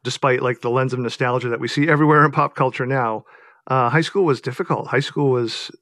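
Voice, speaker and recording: A man's voice: mid-range voice, a little fast, fairly bright tone, no echo, clean studio sound. Thoughtful man answering interview questions. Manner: thoughtful, hesitant, with many fillers and restarts. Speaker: author guest.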